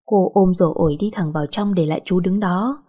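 A woman reading a short romance story aloud as the narrator, in a steady, even storytelling manner. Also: lowish voice, a little fast, breathy edge.

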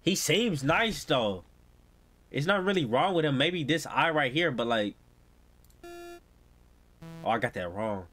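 A man's voice: on the high side, wildly swooping pitch, slow, long pauses, a bit bright. A young American man doing casual, slangy game reaction commentary as a streamer, often exclaiming. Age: young adult. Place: indoor room at home.

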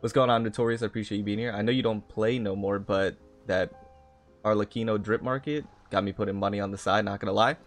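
This man's gaming livestream is casual and chatty as he greets his viewers, often saying the same phrases again. His voice is on the low side, steady in tone and quick. Background music is playing.

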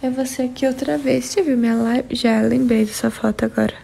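A woman's voice: fairly high pitch, fairly even intonation, brisk, vocal fry, warm tone. A young woman from Brazil with a São Paulo accent, casually chatting on a phone livestream and answering viewers by name. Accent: São Paulo Portuguese. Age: young adult. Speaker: livestream host. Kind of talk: casual live chat reading viewer comments.

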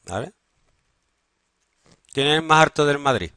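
Middle-aged man teaching a class, playfully teasing; bright, slightly high voice. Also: expressive, measured pace, clean tone, no echo. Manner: banters and teases students, joking about football. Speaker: secondary school English teacher. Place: school classroom.

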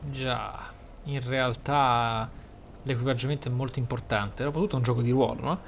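A man's voice: mid-range voice, steady tone, normal speed, gravelly, slight background noise. A man giving casual gameplay commentary in a theatrical way, with flowery wording and exclamations. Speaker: gaming video host. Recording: music behind the voice. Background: game music.

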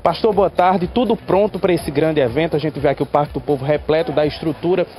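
A young man reports live in quick, upbeat sentences with a slightly high voice. He holds a handheld mic at an open-air venue, and faint music plays behind him. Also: dark tone. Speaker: field reporter. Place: outdoor event venue under a large tent roof. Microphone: handheld microphone.

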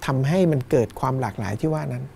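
A middle-aged Thai man, a cinema owner, talking thoughtfully in an interview, unhurried and pausing to find his words. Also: medium pitch, gravelly. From Thailand. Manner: thoughtful, unhurried, with fillers and restarts. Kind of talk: reflective interview talk. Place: small cinema in front of a screen, indoors.

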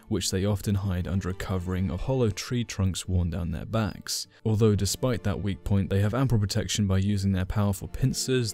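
A man's voice: fairly low pitch, darkish tone. A man narrating a video game lore explainer in a casual way, adding dry joking asides. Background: faint game soundtrack music.

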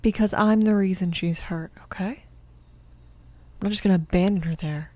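Woman acting a breathy, protective mafia boss. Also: medium pitch, normal speed, warm tone, close to an everyday voice. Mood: firm, defiant. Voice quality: breathy, often half-whispered. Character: young female mafia boss, fiercely protective, tender, commanding. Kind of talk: ASMR romance roleplay.

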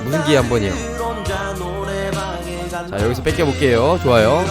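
A man's voice: mid-range voice, moderate pace. A man doing live game commentary and tutorial as a streamer, talking to his viewers over music. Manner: talks to viewers, thanks donors. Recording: music behind the voice.

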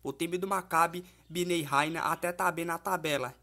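A man's voice: fairly high pitch, steady tone, normal speed, sharp tone. Male tipster, voice-over, casual and chatty, frequent tag questions to the audience. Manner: chatty, fillers like "né?" and "beleza?", addresses viewers as "família" and "galera". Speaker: football betting tipster. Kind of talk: casual betting-tips commentary over app screenshots. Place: voice-over, not recorded in the pictured place.

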